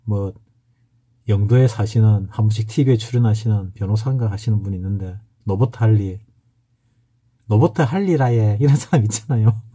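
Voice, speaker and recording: This saju fortune-telling instructor, a man from South Korea's Gyeongsang region, gives a casual lecture in a low, husky, mellow voice with a Gyeongsang Korean accent. He talks at a normal speed but rambles through anecdotes, hesitating often.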